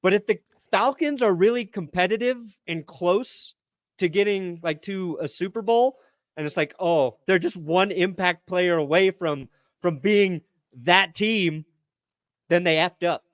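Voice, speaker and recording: A man with a notably high voice rants bluntly as a sports co-host. The sound is dry and close, and his talk is casual and profane. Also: measured pace, dry recording.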